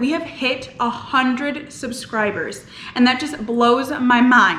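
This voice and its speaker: Against noticeable background noise and audible room echo, a woman raises and projects her high-pitched voice, sounding energetic at a fairly slow pace. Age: 20s. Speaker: lifestyle vlogger. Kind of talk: casual vlog monologue.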